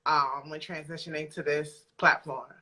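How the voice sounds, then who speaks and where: A woman speaking as an interview guest on a remote call, informal and reflective, often halting as she works out her answers. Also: low voice, fairly even intonation, bright, forceful tone. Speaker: guest, audio drama creator. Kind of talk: casual interview chat. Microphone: remote video call.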